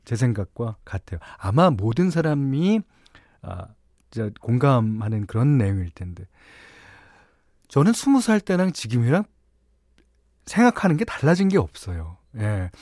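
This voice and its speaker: A man hosting a radio show, reading listener stories and chatting in a relaxed way, chuckling often. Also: medium pitch, normal speed, long pauses, no echo, clean studio sound. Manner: relaxed, chuckling, many fillers. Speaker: radio DJ host. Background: soft guitar music.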